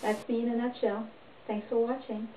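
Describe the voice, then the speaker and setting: A middle-aged woman performer giving a deadpan, tongue-in-cheek monologue to camera. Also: fairly high pitch, moderate pace, slight background noise. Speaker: comedy performer. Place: small indoor room, plain wall. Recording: echoey, distant, dull home recording.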